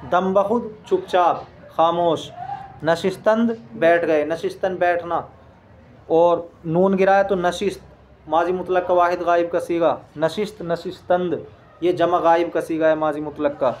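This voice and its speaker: A man's voice: high voice, steady tone, a little slow, slight background noise. A man teaching a lesson. He reads each Persian phrase aloud, then patiently explains and translates it word by word, repeating key points.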